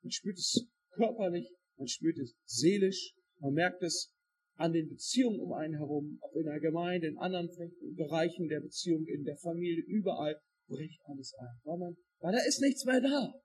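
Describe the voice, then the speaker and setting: A man preaching a sermon, expressive and dramatic, acting out quoted voices with shifting loudness. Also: on the high side, normal speed, husky.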